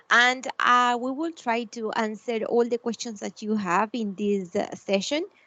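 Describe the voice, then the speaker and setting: A woman with a Uruguayan accent speaks at a fairly high pitch with ordinary pitch variation. Her pace is fairly slow, with hardly any pauses. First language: Spanish. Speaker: webinar host. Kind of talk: webinar presentation. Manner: halting, with fillers.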